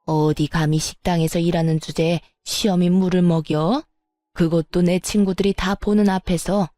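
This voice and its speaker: A woman's voice: on the low side, steady tone, normal speed, dark tone, no echo, lightly acted. A woman voicing a scheming, spiteful older mother-in-law who sneers and plays the victim in a storytelling audio drama. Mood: gloating. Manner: sneering, then falsely pitiful.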